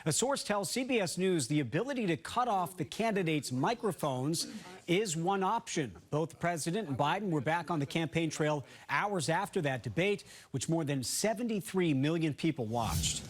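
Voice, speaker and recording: A man anchoring a morning TV newscast, reading the headlines in a crisp, formal way. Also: on the high side, animated, normal speed. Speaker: news anchor. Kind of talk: news reading.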